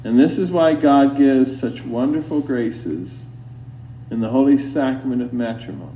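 A Catholic priest, a man, delivering a sermon in a solemn, deliberate, admonishing manner with long pauses. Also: medium pitch, dark tone. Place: inside a church. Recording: roomy church, distant mic, dull, faint hum.

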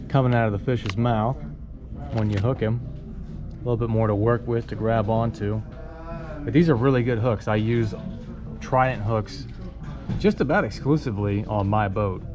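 A man hosting a casual fishing gear vlog, chatting with enthusiasm about rods and hooks in a tackle shop. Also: fairly low pitch. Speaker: fishing charter captain and channel host.

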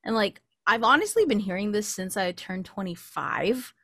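A woman's voice: mid-range voice, lively intonation, normal speed, fairly bright tone, dry recording. Dry-sounding young American woman podcaster. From California, United States. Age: late 20s. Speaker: podcast co-host. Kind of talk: casual chat, personal anecdotes. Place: small indoor home recording setup. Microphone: close studio mic with pop filter.

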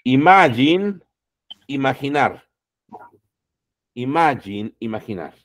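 A man teaching a class, repeating each word and its translation, calling out words loudly and then dropping his voice. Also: medium pitch, very animated, takes it slowly. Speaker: English teacher. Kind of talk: classroom lesson.

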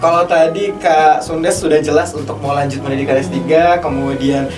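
A man's voice: fairly high pitch, fairly even intonation, normal speed. Man hosting, roomy and distant. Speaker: podcast host. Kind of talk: interview hosting. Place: small padded indoor podcast studio. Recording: roomy studio, distant mic, music behind.

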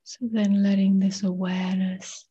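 Female meditation guide: very breathy, mellow, hushed and calming, on a slightly dull recording. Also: medium pitch. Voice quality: soft, breathy, often near a whisper. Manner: unhurried short phrases, hushed, calming. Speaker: meditation teacher. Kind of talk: guided meditation, slow and gentle with long pauses.

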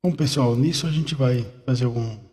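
A man's voice: mid-range voice, fairly quick, darkish tone. A man hosting a live stream, joking and laughing often, his voice run through an added echo effect. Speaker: channel host testing equipment. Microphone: new studio microphone on a stand. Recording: long echo effect, applause sound clips.

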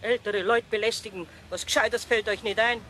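A woman's voice: fairly high pitch, fairly even intonation, moderate pace, a bit bright, lightly acted. A woman playing an indignant, grumpy older lady, scolding huffily in a children's audio drama. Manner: scolding, huffy. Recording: faint noise on old cassette.

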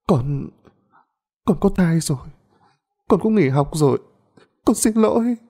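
A man's voice: on the high side, lively intonation, a little slow, warm tone, pitched above the performer's own voice. A man voicing a sobbing young daughter. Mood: frightened. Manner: sobbing, pleading, stammering. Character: weeping young pregnant daughter, frightened.

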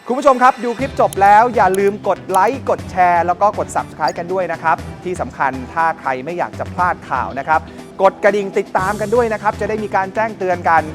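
A man's voice: sits high, expressive, fast talker, soft background music. A man reading a polite, upbeat scripted outro asking viewers to subscribe. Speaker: channel announcer.

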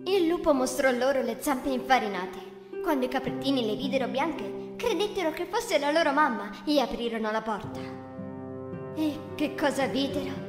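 A woman narrating a children's fairy tale in an expressive storytelling voice. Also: sits high, normal speed. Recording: echoey, reverberant room with music.

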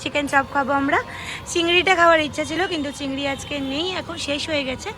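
A woman's voice: sits high, steady tone, fast talker, noisy background. A young woman vlogger chatting casually and directly to her viewers. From West Bengal, India. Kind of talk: casual vlog chat to viewers.

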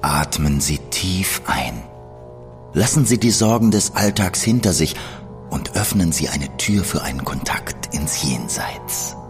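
Sinister spirit medium, deep, smooth, menacing, music behind. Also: male voice, lively intonation, a little slow, heavily acted. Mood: soothing. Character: sinister male spirit medium, calm and creepy. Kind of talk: radio play acting.

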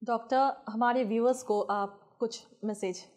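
Young woman, slightly high voice, polished studio anchor asking formal questions. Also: fairly even intonation, measured pace, a little mellow. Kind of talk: scripted show hosting. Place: TV studio set.

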